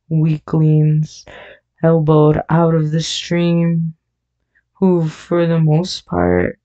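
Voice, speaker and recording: Woman audiobook narrator, low and gravelly, dull lo-fi sound. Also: dark tone. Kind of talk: scripted narration.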